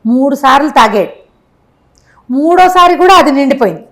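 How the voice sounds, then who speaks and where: A woman telling a moral tale in an animated, conversational way, stressing things by repetition and acting out the dialogue. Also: high voice, moderate pace. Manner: expressive, acts out dialogue, emphatic repetition. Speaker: storyteller.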